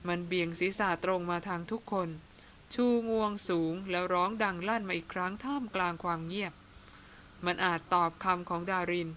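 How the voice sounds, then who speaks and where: A woman narrating a novel aloud in a steady, measured storytelling manner. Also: fairly low pitch, a little hiss or hum. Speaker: audiobook narrator. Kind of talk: dramatic novel reading.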